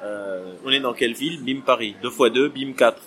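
A plain, everyday voice speaks at a moderate pace. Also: man. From Lebanon. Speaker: neuroscientist and clinical psychologist. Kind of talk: casual interview.

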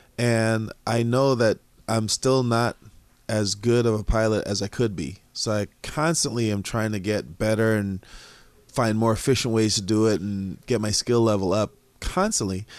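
Fairly low in pitch, a man talks at a moderate pace in an unremarkable speaking voice. His intonation is fairly even, and the background is quiet. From Jamaica, raised in Boston. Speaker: museum founder, pilot, mentor. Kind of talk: interview conversation.

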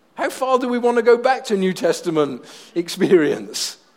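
A man speaks at a fairly slow pace with a West Country accent. His pitch is extremely high and swings very widely. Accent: West Country English (Bristol). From Bristol, south-west England. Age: 60s. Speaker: pastor. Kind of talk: sermon. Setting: church.

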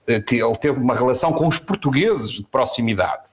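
A man's medium-pitched, somewhat breathy voice at a very fast pace, with lively intonation. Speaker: politician. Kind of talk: political debate. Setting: live-streamed studio debate.

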